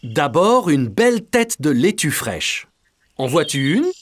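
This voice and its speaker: A man playing a warm, patient dad in a children's cartoon dub, encouraging and teaching a small child. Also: a little high, sing-song, slow, exaggerated voice. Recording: music behind the voice.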